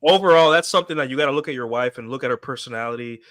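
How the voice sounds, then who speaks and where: Male podcaster, bright forceful tone, argues his point in casual chat. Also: medium pitch, very fast. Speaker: podcast co-host.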